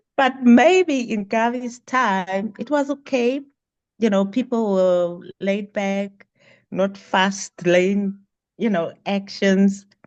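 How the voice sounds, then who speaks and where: Against a quiet background, a woman at medium pitch speaks very slowly with ordinary pitch variation. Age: 60s. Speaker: study group member. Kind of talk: group study discussion.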